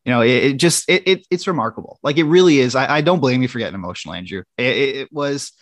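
A man's voice: medium pitch, expressive, fast talker, no room sound. A man, a guest sports writer, chatting enthusiastically with frequent restarts. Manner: enthusiastic, many restarts and stammers. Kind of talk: casual sports chat.

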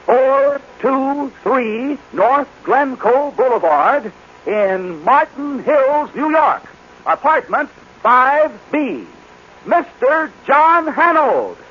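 An actor playing an excitable American game show announcer with grandiose, emphatic delivery on a 1950s radio drama. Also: male voice, very high voice, drawn-out words, slightly rough, full character voice. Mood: thrilled. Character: showy, excitable male giveaway show announcer. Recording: hissy, dull 1950s radio recording.

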